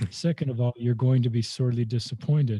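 A man's medium-pitched, somewhat breathy voice with a dark, mellow tone, fairly even intonation and a fairly quick pace, in a dry, close sound with no echo. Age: 60s. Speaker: podcaster and author, former lay church leader. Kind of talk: casual interview.

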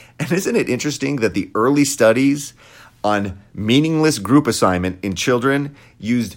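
A man in a normal speaking voice with an American accent, lively intonation and a moderate pace, on a very clean recording with a silent background. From Wisconsin. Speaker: podcast host. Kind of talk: monologue commentary.

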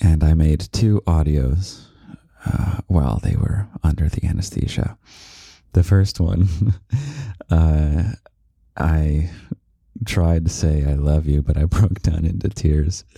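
A man's very deep, low, somewhat breathy voice with a warm, playful tone, very slow pace, ordinary pitch variation and long, frequent pauses. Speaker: podcast host. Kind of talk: soothing hypnosis-style address to listeners. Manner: warm, playful, affectionate; soothing, slow-paced guided delivery.

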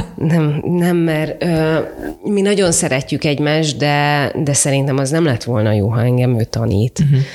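Moving at a fairly slow pace with very even loudness and ordinary pitch variation, the voice sits over noticeable background noise. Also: woman, very deep, low pitch for a woman. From Hungary, Mezőberény (Békés county). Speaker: actress. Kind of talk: casual interview.

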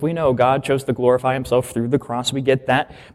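The man talks very fast, his pitch sitting in the medium range. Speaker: minister. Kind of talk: sermon. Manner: conversational, with fillers and repetitions.

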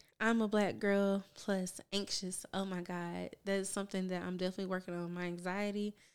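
A woman speaks at a fairly quick pace and a medium pitch. Her intonation is monotone and flat, and the recording is very clean with a silent background. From US South, Memphis, Tennessee. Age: 30s. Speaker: podcast host. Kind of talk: casual solo monologue.

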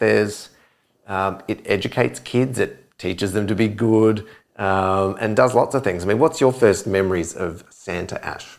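At a moderate pace, a man with an Australian accent speaks fairly low, with ordinary pitch variation, on a very clean recording with a silent background. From Australia, Adelaide. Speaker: mortgage business coach, podcast host. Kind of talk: casual chat.

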